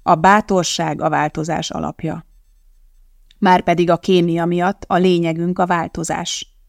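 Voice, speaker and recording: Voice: mid-range voice, flat delivery, gravelly, dry recording, natural voice. The reader voices a resolute woman chemist who hosts a TV cooking show, speaking firmly and declaiming to a studio audience. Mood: rousing. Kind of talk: audiobook character voicing.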